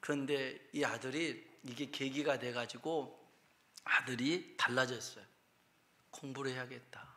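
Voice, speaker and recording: A male pastor telling a story in a Sunday sermon, moving from hushed whispers to loud emphasis, with chatty asides. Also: fairly high pitch. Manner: conversational with asides and self-corrections.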